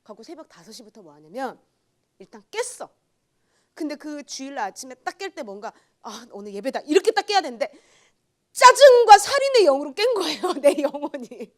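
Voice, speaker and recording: A young woman junior pastor giving a sermon with a personal testimony, telling it with loud outbursts and hushed asides. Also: sits high, a little fast. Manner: animated storytelling, swings between loud outbursts and hushed asides.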